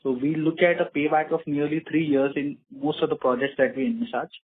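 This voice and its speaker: A man with an Indian accent, speaking formally and in measured explanations as an executive answering questions on an earnings call. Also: on the high side, fairly even intonation. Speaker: company executive answering investors. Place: conference call. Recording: muffled narrowband phone line, slightly rough.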